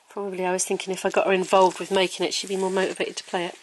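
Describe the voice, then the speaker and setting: A woman's voice: medium pitch, level tone, fast talker, slight background noise, poor audio. A middle-aged woman vlogging at home, chatting casually and wryly about her own bits and pieces as she sorts through them. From living in Wales. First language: English. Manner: chatty, self-mocking, breaks into little sung notes. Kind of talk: casual vlog chat while decluttering.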